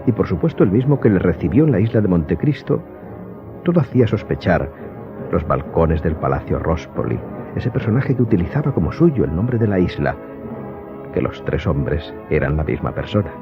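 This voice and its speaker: A man's voice: low-pitched, big pitch swings, normal speed. A man narrating an audiobook drama in a scripted, suspenseful storytelling style. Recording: dull recording under clear music.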